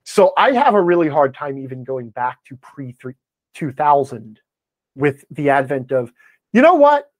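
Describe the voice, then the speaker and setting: A man's voice: fairly high pitch, very animated, unhurried, no echo. A middle-aged man talking opinionatedly and conversationally as a podcast guest, emphatic and given to sarcastic asides. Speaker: podcast guest, tabletop gaming blogger.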